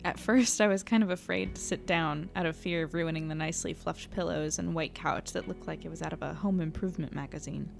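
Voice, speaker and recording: In a naturalistic audio drama, a woman plays an earnest, anxious female reporter, acting and narrating in a conversational, tentative, slightly self-deprecating way with a wry mood. Her voice is low and gravelly, fairly quick with few pauses, over music.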